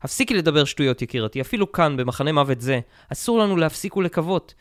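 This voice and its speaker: A man voicing a gaunt French prisoner who speaks calmly and earnestly to his wife. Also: a little high, no echo, studio quality, pitched above the performer's own voice, close to an everyday voice. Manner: calm, soothing, earnest. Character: gaunt French prisoner husband, calm and brave.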